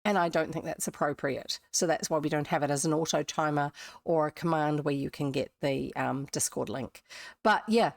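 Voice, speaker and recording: A woman with a New Zealand accent hosts a livestream where she reads old books aloud, chatting to viewers in a casual, rambling way full of self-interrupting asides. Her voice is low and creaky at a normal speed, captured in a dry, clean studio recording.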